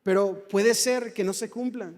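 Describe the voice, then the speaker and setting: A man's voice: high voice, steady tone, unhurried, a little mellow. A man with a Mexican accent preaching a sermon, fervent and firing rhetorical questions at the congregation. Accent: Mexican Spanish. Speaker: pastor. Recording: long hall reverb.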